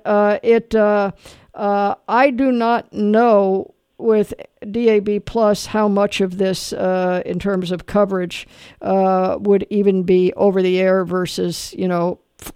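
Smooth-voiced host, dry and close. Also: mid-range voice, a little mellow, dry recording. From Canada. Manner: rambling, self-deprecating, full of fillers. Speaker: radio show host. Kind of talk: casual radio talk.

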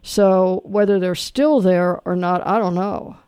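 Smooth-voiced host, dry and close. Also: medium pitch, fairly even intonation, measured pace, a little mellow, dry recording. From Canada. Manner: rambling, self-deprecating, full of fillers. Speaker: radio show host. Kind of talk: casual radio talk.

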